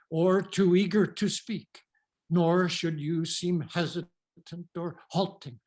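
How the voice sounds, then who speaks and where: An actor reading the part of a cautious, commanding father in a Greek tragedy, in a measured, solemn, instructive manner. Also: fairly high pitch, a little mellow. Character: cautious, commanding elderly father leading refugee daughters.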